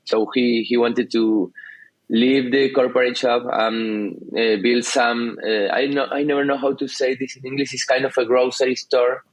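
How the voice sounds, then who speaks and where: A man in his thirties from Argentina, speaking English with an Argentine Spanish accent, telling his story as a guest in a casual interview, pausing often with fillers and restarts. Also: mid-range voice, little pitch movement, no room sound, low-quality recording. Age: 30s. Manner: hesitant, many fillers and restarts. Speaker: guest entrepreneur.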